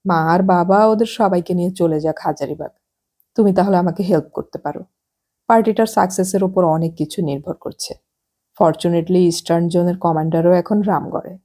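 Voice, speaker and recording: A woman doing an easygoing husband in his thirties for an audiobook, low, husky, calm and coaxing. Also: moderate pace, close to an everyday voice.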